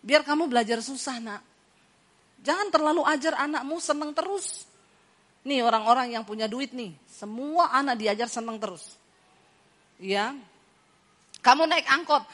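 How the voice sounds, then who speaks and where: A woman preacher giving a lively sermon, telling stories and mimicking the voices of the people in them. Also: sits high, moderate pace. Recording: hall reverb.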